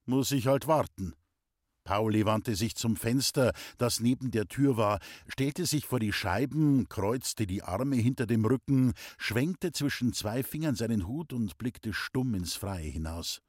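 A man's voice: mid-range voice, expressive, a little slow, hardly any pauses, darkish tone, no room sound. Man reading a novel aloud, dry and close. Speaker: audiobook reader. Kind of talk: scripted narration.

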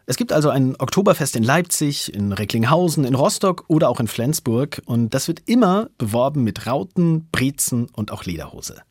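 Husky, lively male radio host. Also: medium pitch, no echo, studio quality. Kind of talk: radio talk show moderation. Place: radio studio.

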